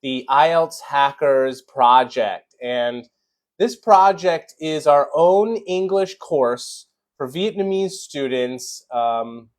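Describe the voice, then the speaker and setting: A man's voice: fairly high pitch, takes it slowly. An American man from Chicago, an English teacher, chatting casually on a live stream and greeting viewers by name with many fillers. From Chicago, USA.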